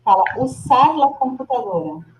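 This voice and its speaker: A fairly high-voiced woman teaches over a video call and sounds a little echoey in her room. She is a patient, encouraging Spanish teacher from Brazil. She models words slowly and repeats them for her student. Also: animated, a little mellow, slight background noise. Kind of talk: online class, coaching a student's pronunciation.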